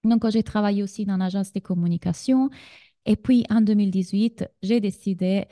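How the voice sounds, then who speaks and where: A woman in her thirties from Sardinia speaks French with an Italian accent as she runs a live business masterclass. Her voice is soft and warm, and the recording is dry, with no room sound. She talks in a chatty way and speaks straight to her listeners. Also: mid-range voice, fairly even intonation, moderate pace, dry recording. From Sardinia, Italy. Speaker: business coach.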